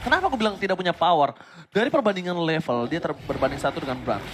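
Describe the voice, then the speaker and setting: A man with an Indonesian accent doing dramatic esports play-by-play commentary, rising into shouts and mixing in English phrases. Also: a little high, lively intonation, fast, background noise. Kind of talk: esports caster commentary of a mobile game match.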